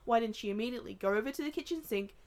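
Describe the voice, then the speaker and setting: A woman's voice: a little high, expressive, very fast, a little mellow. A woman co-hosting a podcast, chatting casually and ranting in exasperated rhetorical questions. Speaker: podcast co-host. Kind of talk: casual chat.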